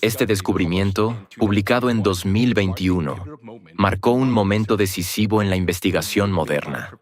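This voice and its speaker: A man's voice: low-pitched, moderate pace. A man formally and courteously introducing a speaker as conference moderator.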